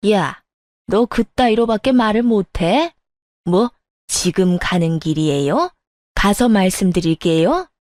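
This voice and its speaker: A woman voicing a bossy middle-aged mother-in-law who scolds slowly and harshly. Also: on the high side, steady tone, warm tone, no echo, lightly acted. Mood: scolding. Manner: harsh, scolding, slow and emphatic. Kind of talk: story narration with acted voices.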